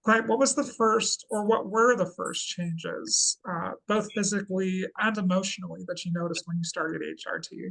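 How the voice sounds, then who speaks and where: A trans woman interviewer with a relatively deep voice speaks in a thoughtful, measured way, choosing her words with care. Her voice has a gravelly, fry-edged texture at a mid pitch. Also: fairly even intonation, fairly bright tone, poor audio. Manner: thoughtful, measured, careful wording.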